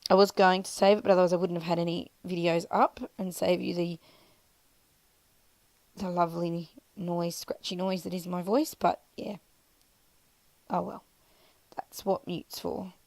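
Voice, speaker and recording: A woman with an Australian accent and a croaky, scratchy voice from being sick, chatting casually as she narrates her crafting. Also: on the low side, flat delivery, unhurried, pauses often, darkish tone, no echo. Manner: chatty, rambling, self-deprecating, many fillers. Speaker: scrapbooking vlogger.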